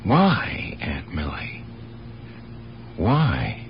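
Low-voiced, expressive police lieutenant. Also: male voice, extremely slow, exaggerated voice. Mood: sorrowful. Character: troubled, probing police lieutenant, devoted nephew. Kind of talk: 1970s radio drama acting. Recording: muffled, noisy old radio broadcast.

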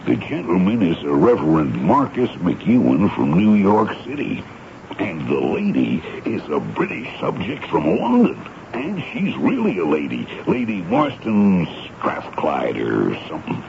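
A dull, noisy vintage radio recording features a folksy army sergeant. His voice is extremely deep and gravelly, rising and falling in lively swings as he reports deferentially in plain, ungrammatical speech. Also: a little slow, exaggerated voice. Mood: eager reporting. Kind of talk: 1970s radio drama acting. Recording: muffled, hissy 1970s radio broadcast.

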